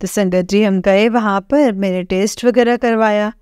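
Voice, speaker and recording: A young woman from Jammu telling a congregation a personal story of faith, halting and repetitive with frequent fillers. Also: medium pitch, steady tone, a little mellow, clean tone, no echo, clean studio sound. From Jammu, India. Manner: halting, with many fillers and repeated phrases. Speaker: devotee sharing testimony. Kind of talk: personal testimony to a spiritual congregation.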